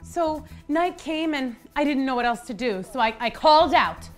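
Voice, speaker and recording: A woman's voice: sits high, moderate pace. A woman hosting children's stories, narrating a fairytale in the first person with playful, comic, theatrical asides. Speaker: children's story host. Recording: music behind the voice.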